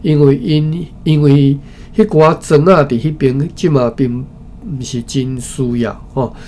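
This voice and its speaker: A man with a Taiwanese accent reads a historical text aloud as a study session presenter, haltingly, often repeating phrases and adding informal asides. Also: mid-range voice, steady tone, a little mellow. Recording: clearly noisy recording with background ambience.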